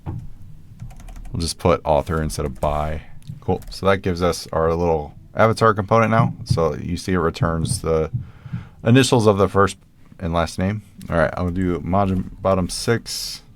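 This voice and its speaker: A man's voice: low voice, a little slow. A man hosting a programming tutorial, casually thinking aloud as he types code. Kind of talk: screen-recorded coding tutorial.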